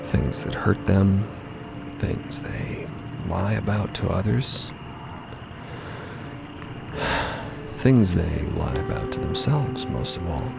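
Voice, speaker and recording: An actor playing a subdued, vulnerable man in mourning, confiding haltingly in an audio drama. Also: sits low, expressive, creaky, over music, exaggerated voice. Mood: sombre confession. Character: subdued, vulnerable young man, grieving a mentor.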